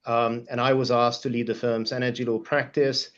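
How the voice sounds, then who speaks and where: Even-toned Hungarian man, muffled sound. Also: mid-range voice. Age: middle-aged. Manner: hesitant, measured, formal phrasing. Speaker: panelist, law firm partner. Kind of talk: panel discussion, career account.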